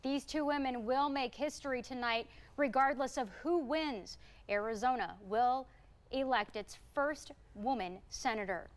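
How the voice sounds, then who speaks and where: A woman's voice: high voice, unhurried. An American woman presenting as a television news anchor in a polished style.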